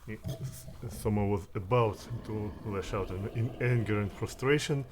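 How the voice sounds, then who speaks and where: A man with a fairly low voice plays a tabletop game, casually describing his character's actions. His audio comes through an online call with clear background noise underneath. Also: slow. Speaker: player.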